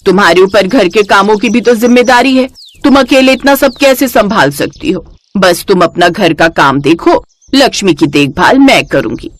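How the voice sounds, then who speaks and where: Female narrator playing a sly, coaxing cartoon mother-in-law, animated pitch. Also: normal speed, no echo, lightly acted. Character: scheming greedy older mother-in-law.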